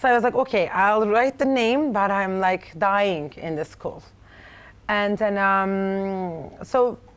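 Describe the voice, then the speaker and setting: A woman with a Turkish accent speaks very slowly at medium pitch with ordinary pitch variation. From Turkey (Istanbul). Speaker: well-being entrepreneur. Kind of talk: interview conversation.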